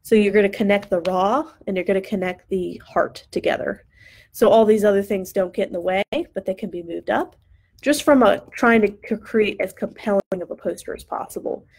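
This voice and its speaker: A woman's voice: medium pitch, brisk, a little mellow, breathy edge. A woman in her thirties giving a live critique of student posters, chatty and enthusiastic, her voice tired and starting to crack. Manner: chatty, enthusiastic, thinking aloud. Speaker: design instructor reviewing student posters. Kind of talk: live-stream design critique.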